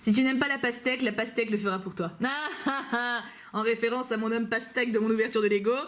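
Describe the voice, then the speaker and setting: Speaking very fast in a steady, rather high voice, a woman YouTuber opens fan mail on her couch at home with a dog beside her. Her casual, bubbly talk to the camera is full of filler words and asides.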